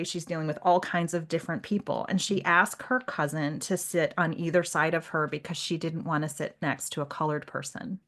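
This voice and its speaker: Female podcast host, slightly low register, animated delivery for thoughtful book talk, stressing key words. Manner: expressive, emphatic, acts out quoted remarks. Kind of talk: conversational literary discussion.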